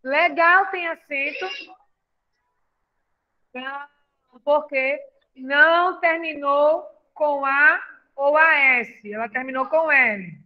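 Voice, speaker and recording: A woman teacher with a Brazilian Portuguese accent patiently explains a classroom lesson and asks questions. Her voice is high and slow, with long pauses. The recording is muffled.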